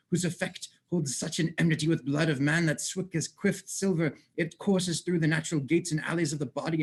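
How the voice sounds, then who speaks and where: Man playing a husky, gravelly, solemn royal ghost. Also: fairly high pitch. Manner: slow, declamatory, anguished. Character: murdered king's ghost, solemn, wronged, commanding older male. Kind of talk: Shakespearean verse in a livestreamed dramatic reading. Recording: remote livestream audio.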